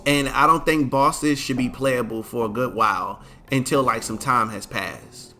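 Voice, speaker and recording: A man's voice: medium pitch, a little slow, sharp tone, faint music behind. A man hosting a casual gaming video, chatting in a laid-back, slangy way while sleepy and stifling yawns. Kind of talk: casual commentary to camera.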